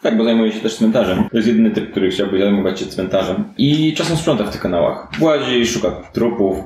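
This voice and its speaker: A man's voice: on the low side, darkish tone, natural voice. A man voicing a shrewd, dismissive woman who runs port-side crime in a fantasy tabletop game, talking in an offhand, worldly, slangy way. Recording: echoey room with clear background noise.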